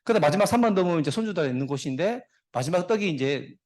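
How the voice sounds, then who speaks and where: Animated, fast-talking man giving a speech. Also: fairly high pitch. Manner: jokey storyteller, dad jokes, talks to the audience. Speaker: guest speaker. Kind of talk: motivational speech.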